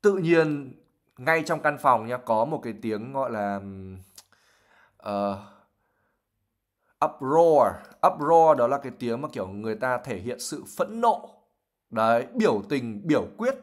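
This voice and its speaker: Brief: male language teacher, patient explainer, lots of fillers, livestream lesson. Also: mid-range voice. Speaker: English teacher.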